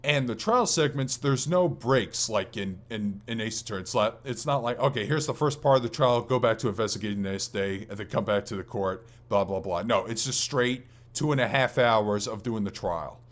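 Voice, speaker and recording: A man's voice: fairly low pitch, normal speed, few pauses. Enthusiastic, rambling man chatting on a podcast. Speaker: podcast co-host. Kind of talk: casual gaming podcast chat.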